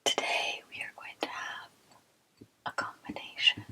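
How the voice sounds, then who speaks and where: A woman whispering softly as she hosts an ASMR poetry reading and adds playful, old-fashioned quips. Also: measured pace. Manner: soft unvoiced whisper, playful archaic quips.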